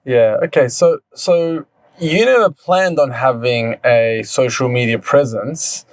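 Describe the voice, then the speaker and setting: A man from Australia hosting a podcast, relaxed, mostly giving short agreeing replies. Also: medium pitch, slow, no echo. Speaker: podcast host. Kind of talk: casual interview chat.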